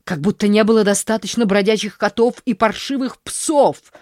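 A woman voicing a stern, strained older aunt who speaks in a sharp, clipped, scolding way. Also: medium pitch, normal speed, no echo, clean studio sound, pitched above the performer's own voice, close to an everyday voice.

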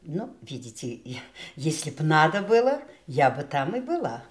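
An actress playing an unflappable, frank nurse in an audio drama, speaking in a wry, matter-of-fact way. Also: female voice, sits low, very animated, moderate pace. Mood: reassuring. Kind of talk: audio stage drama dialogue.

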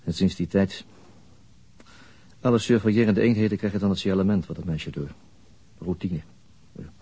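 A brooding man telling a radio crime story as inner monologue. His voice is very low and soft-edged, heavily husky and breathy. He sounds weary and haunted, lingering over short phrases. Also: no room sound. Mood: somber, bitter. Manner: slow, introspective, halting monologue. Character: brooding, weary male narrator haunted by a murder.

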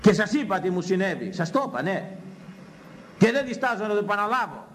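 Older priest preaching with emphatic repetition. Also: male voice, high-pitched, big pitch swings, a bit bright, a little hiss or hum. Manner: emphatic, repeats phrases for effect. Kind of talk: sermon on scripture.

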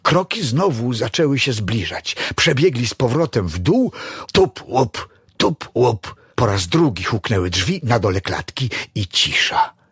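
Husky, expressive male storyteller. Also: medium pitch, moderate pace, no room sound, studio quality. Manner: dramatic, expressive reading. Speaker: narrator. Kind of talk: audiobook story narration.

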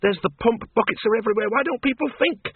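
A man voicing a gruff, fiery older farm woman who shouts and scolds. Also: extremely high pitch, fast, no room sound, voice pushed up. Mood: indignant. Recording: tinny phone-like narrow sound.

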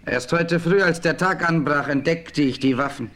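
An actor playing a proud, honourable Native American chief in a German radio play, formal and declamatory. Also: male voice, fairly high pitch, moderate pace, a bit bright, lightly acted. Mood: measured, confiding.

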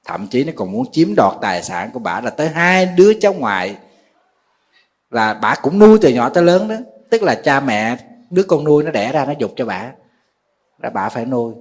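Một nhà sư giọng Nam Bộ, hơi khàn, giảng pháp thân mật, hay hỏi lại người nghe. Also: male voice, mid-range voice, big pitch swings, moderate pace. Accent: Southern Vietnamese. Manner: folksy and conversational, questions the audience often. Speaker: Buddhist monk giving a dharma talk. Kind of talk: sermon.

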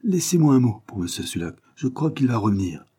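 A man's voice: mid-range voice, big pitch swings, fairly quick, mellow, breathy edge, voice pushed up. A man voicing a fat, shifty male jeweler who answers in a hesitant, evasive way. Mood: nervous.

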